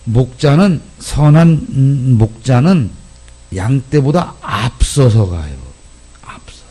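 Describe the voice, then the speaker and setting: Animated male pastor preaching. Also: medium pitch, slow pace, breathy edge. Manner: animated, emphatic, asks the congregation questions. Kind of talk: sermon.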